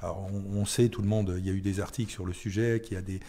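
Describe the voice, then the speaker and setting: A man's voice: deep voice, steady tone, fast, warm tone. A man speaking as a town mayor in an unscripted radio interview, hesitating and repeating words as he searches for phrasing.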